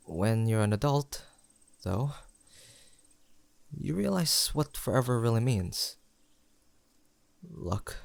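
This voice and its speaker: A young man playing a sentimental, teasing longtime best friend in an intimate audio roleplay, pausing for an unheard listener. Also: fairly low pitch, no room sound. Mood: sincere, tender. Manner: soft-hearted, playful banter with pauses for an unheard listener.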